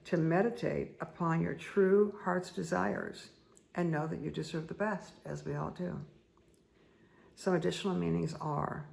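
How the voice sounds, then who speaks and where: A middle-aged woman with a hoarse, croaky voice, slowly reading cards and giving soft, repetitive spiritual guidance. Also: low voice. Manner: slow, soothing, repetitive guidance with asides. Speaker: spiritual reader and meditation guide. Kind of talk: casual spoken card reading.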